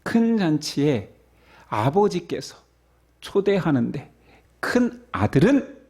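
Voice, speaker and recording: A male pastor delivers a sermon, posing rhetorical questions to his listeners. His slightly high voice rises and falls in a lively, animated way. He moves between storytelling and direct appeal. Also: slow, slightly rough.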